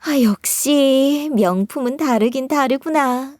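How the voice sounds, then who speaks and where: A woman's voice: high voice, takes it slowly, a little mellow, no room sound, clean studio sound, voice pushed up. A woman voicing a spoiled, pushy young sister-in-law who talks in a wheedling, pouty way in a story read aloud. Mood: gushing.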